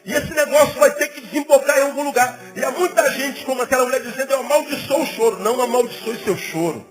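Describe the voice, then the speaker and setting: A middle-aged man, a pastor, preaching a sermon in a conversational, animated way with emphatic rising peaks, music in the background. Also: very high-pitched, fast, low-quality recording. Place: church.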